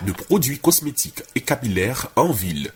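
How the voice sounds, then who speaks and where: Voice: mid-range voice, big pitch swings, normal speed. An announcer reading a store ad in a promotional tone, listing a phone number and address. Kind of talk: radio ad voice-over. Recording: voice over loud music.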